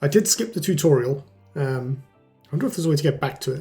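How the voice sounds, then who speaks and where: Someone talks at a very fast pace. Music plays in the background. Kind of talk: casual gameplay commentary.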